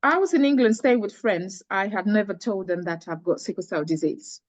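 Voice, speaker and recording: A middle-aged woman speaks in a mid-pitched voice, recounting her life story earnestly with frequent restarts. The sound is dry and close, with no room echo. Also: moderate pace, highs cut off. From Cameroon. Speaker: charity founder, guest. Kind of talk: personal story in interview.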